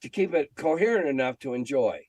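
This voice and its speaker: A man's voice: medium pitch, lively intonation, fairly quick, a little mellow, no echo. An older American man reminiscing in an interview in a blunt, salty, opinionated way. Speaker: veteran game editor being interviewed.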